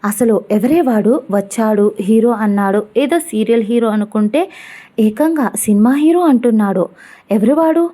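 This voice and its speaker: A woman's voice: high voice, fairly even intonation, takes it slowly, long pauses, dark tone, pitched above the performer's own voice. A woman voicing a hot-tempered young female college student who mutters indignantly to herself. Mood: angry. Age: young adult.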